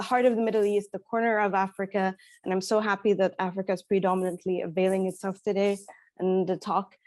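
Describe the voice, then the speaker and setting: A woman's voice: mid-range voice, a little mellow, dry recording. Hesitant Egyptian woman presenting. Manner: hesitant, many fillers and restarts. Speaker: speaker presenting at an academic talk. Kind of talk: conference presentation.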